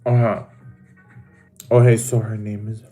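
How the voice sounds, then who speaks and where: A man's voice: fairly low pitch, flat delivery, measured pace, warm tone, soft background music. A man hosting a casual livestream, talking in a dramatic, camp way to his viewers while he eats. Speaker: livestream host.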